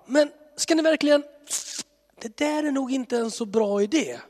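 Man doing comic God, high and meek, slightly congested, reverb-heavy hall. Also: darkish tone. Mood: fretting. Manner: comically high, casual and resigned. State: has a cold. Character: exasperated, mild-mannered God figure, male.

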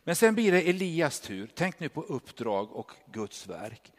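A man in his fifties, a pastor of over thirty years, preaching a lively sermon and retelling stories with frequent rhetorical tag questions. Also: on the high side. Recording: long hall reverb.

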